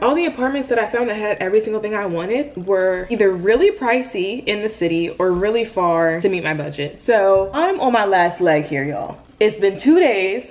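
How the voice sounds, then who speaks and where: Speaking at a fairly quick pace with hardly any pauses, a woman with an American accent uses lively intonation at a medium pitch over noticeable background noise. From New Jersey. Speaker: lifestyle vlogger. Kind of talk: storytime vlog. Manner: animated.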